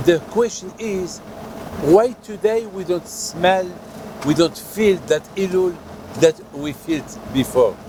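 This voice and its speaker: An older man from Morocco, a rabbi giving a sermon outdoors in a halting way, with many fillers and restarts. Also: a little high, background noise. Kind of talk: sermon at a holy site.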